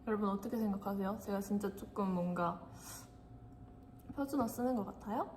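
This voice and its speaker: A woman's voice: mid-range voice, brisk, a little mellow, slight background noise. A young woman hosting a casual livestream, chatting and giggling as she talks straight to her viewers.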